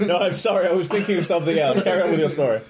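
A man in character as a gentleman, trading mock-posh, teasing quips. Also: high-pitched, racing, a crowd in the background. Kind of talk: improvised in-character banter.

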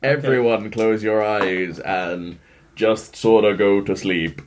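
A man's voice: fairly low pitch, slow pace. A man chatting casually during a tabletop game, jokey and sweary in his manner. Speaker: board game player.

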